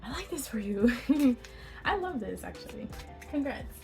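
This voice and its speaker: A woman's voice: high-pitched, sing-song, measured pace, gravelly, soft background music. A woman doing a casual pick-a-card tarot reading, chatty and bubbly, laughing often and filling her talk with "like.".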